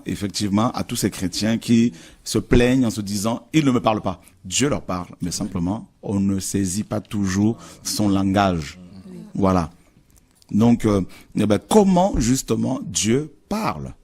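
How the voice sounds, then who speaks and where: A man's voice: fairly low pitch, darkish tone, husky. A man preaching on a Christian TV show, earnest, repeating phrases with many hesitations. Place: TV studio.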